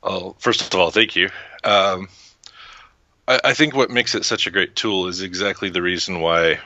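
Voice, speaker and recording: Texan man, very low and bright voice, hesitant casual guest, dry muffled recording. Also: steady tone, normal speed. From Texas, USA. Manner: hesitant, many "um" and restarts, laughs lightly. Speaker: guest, website founder. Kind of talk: casual interview. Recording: dull lo-fi dry sound.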